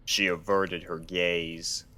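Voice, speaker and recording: Male narrator for scripted fiction, low-pitched voice, storytelling delivery. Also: little pitch movement, takes it slowly, bright, forceful tone.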